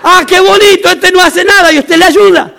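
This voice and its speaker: A man voicing a gruff male military instructor who scolds and mocks recruits. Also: extremely high pitch, fairly even intonation, moderate pace, fairly bright tone. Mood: mocking. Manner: barking, mocking.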